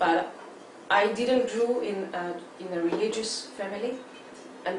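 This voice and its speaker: A woman with an Israeli accent talks fairly slowly at a fairly high pitch, with ordinary pitch variation. Noticeable background noise and audible room echo fill the recording. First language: Hebrew. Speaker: mosaic artist. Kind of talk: interview. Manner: halting.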